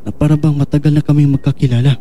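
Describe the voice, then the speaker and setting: A man's voice: on the high side, little pitch movement, very fast, dark tone, natural voice. A man acting a troubled, earnest young man with lost memories in an audio drama. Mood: confused.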